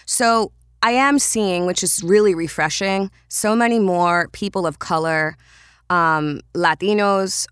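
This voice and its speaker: A woman's voice: lowish voice, measured pace, a bit bright, clean tone, no room sound, studio quality. A woman voice-over artist from Trinidad, speaking earnestly in a casual podcast interview and restarting her sentences as she works through ideas.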